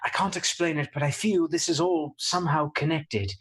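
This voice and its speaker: Husky, haunted young husband. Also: male voice, on the high side, fairly even intonation, moderate pace, fairly bright tone. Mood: troubled, earnest. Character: haunted, earnest young husband, shaken but insistent. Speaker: actor in a live radio play. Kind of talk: theatrical radio drama acting.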